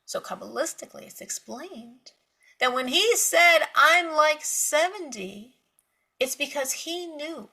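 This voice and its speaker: A woman giving a spiritual Torah lecture, telling stories with lively emphasis, repeating words and laughing lightly between points. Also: on the high side, vocal fry, breathy edge, poor audio. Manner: animated storytelling with emphatic repetition. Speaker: Torah teacher.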